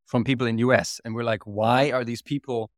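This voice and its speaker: A man with a German accent speaks as an interview guest, earnest and often restarting his sentences. His voice sits at a middling pitch. The sound is dry and close, with no room echo. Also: fairly even intonation, brisk. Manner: earnest, many restarts and repeated words. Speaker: guest, company co-founder and CEO. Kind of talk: casual interview chat.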